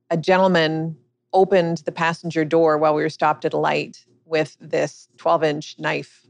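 A middle-aged woman, a business coach and author, earnestly recounting a personal story as a podcast interview guest. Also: sits low.

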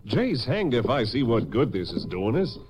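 An American actor playing a folksy, puzzled small-town Texas sheriff in a 1950s radio western, with a husky, expressive voice. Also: male voice, medium pitch, normal speed, over music, natural voice. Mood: doubtful, frustrated. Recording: muffled 1950s radio recording.

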